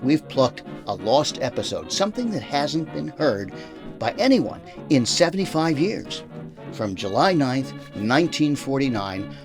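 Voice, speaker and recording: Male presenter, middle pitch, very lively intonation, theatrical show intro with music. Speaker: host.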